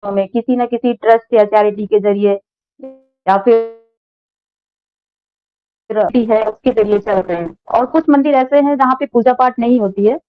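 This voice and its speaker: Woman guest on a choppy phone line that keeps breaking up, slightly high voice, muffled lo-fi sound, unhurried explainer with fillers. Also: faint music behind. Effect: phone line breaking up, audio cutting out. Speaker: guest speaker on a phone call. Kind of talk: explanatory talk.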